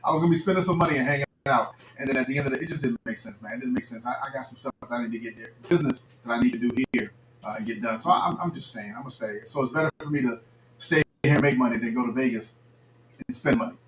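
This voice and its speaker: A man hosting a casual chat, asking quick, eager questions. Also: medium pitch, a bit bright. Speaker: host. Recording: echoey room, faint noise.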